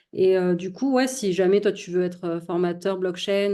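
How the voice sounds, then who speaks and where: Her dark, mellow tone at medium pitch carries this woman's speech at a moderate pace. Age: 30s. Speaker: entrepreneur and trainer in Web3 and AI. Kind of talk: casual interview chat.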